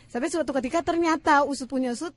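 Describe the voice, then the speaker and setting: A woman's voice: high voice, fast, no echo. A woman in her thirties, a radio announcer, chatting casually in a studio as a guest, telling stories with lots of fillers and frequent laughter.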